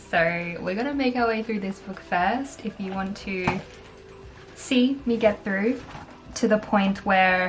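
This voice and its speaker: Music plays in the background as a woman with a strong Australian accent speaks at a medium pitch and a fairly slow pace, with ordinary pitch variation. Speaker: YouTuber. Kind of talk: casual vlog talk after reading aloud. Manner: casual, chatty.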